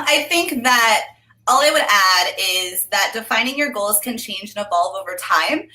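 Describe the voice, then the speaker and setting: A young woman travel blogger offers casual advice over a video call from a room at home, chatty and upbeat with frequent ums. Her voice is medium-pitched and sharp-toned, and the webcam audio is poor.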